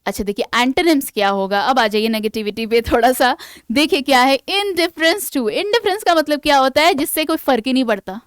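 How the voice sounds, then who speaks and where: A woman teaching English vocabulary in Hindi mixed with English, asking the class questions and reading definitions aloud slowly in an Indian English accent. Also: high-pitched, lively intonation, clean tone, no echo, studio quality. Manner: asks the class rhetorical questions. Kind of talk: online exam-prep lesson.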